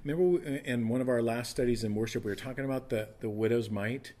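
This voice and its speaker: A man's voice: mid-range voice, quick pace, darkish tone. A man in his fifties preaching a casual, conversational sermon, often restarting and repeating words. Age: 50s. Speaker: pastor.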